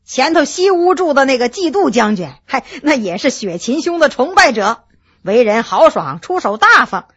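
A woman's voice: high-pitched, big pitch swings, moderate pace, fairly bright tone, husky, highs cut off, full character voice. A woman doing a kindly, coaxing nobleman. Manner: coaxing, chatty. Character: friendly male nobleman, persuasive and kindly.

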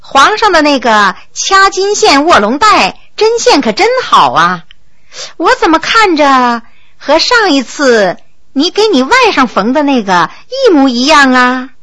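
A woman voicing a sharp-tongued imperial consort in a storybook, speaking in a hushed, needling way. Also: sits high, sing-song, unhurried, no room sound, heavily acted.

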